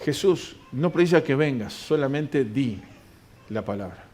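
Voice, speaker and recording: A man's voice: mid-range voice, animated, unhurried, a little mellow. A man preaching a sermon in a church, reading scripture aloud and answering his own questions.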